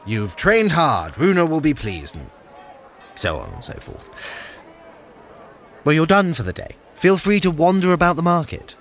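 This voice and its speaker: A man's voice: on the high side, big pitch swings, a little slow, long pauses, a bit bright, exaggerated voice. A man playing a smug, vain trickster god in an audio adventure, theatrical and condescending as a grudging mentor. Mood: grudging, dismissive. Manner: theatrical, self-satisfied, condescending. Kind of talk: scripted audio adventure acting.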